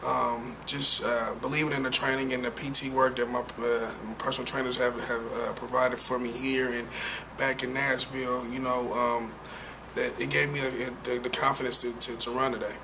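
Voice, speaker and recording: A young man being interviewed as a football player, answering in a halting way with many fillers and restarts. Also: mid-range voice, flat delivery, gravelly. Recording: noisy background.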